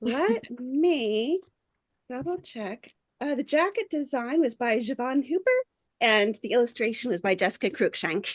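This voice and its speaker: With an American accent, a woman speaks at a fairly slow pace in a high pitch with lively intonation. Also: quiet background. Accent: American, slight British shift. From United States. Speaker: fantasy author. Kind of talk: podcast interview.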